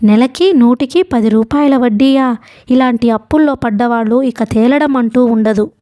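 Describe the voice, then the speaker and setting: A woman voicing a gentle young wife who speaks softly and anxiously, in an audiobook. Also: fairly high pitch, moderate pace, no room sound, close to an everyday voice. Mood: worried.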